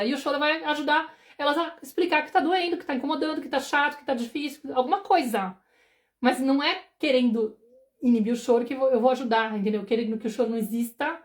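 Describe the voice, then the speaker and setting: Fast-talking woman parenting mentor. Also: a little high, a little mellow. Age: 40s. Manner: fast, conversational, often asks "entendeu?"; acts out anxious inner thoughts. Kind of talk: live stream talk.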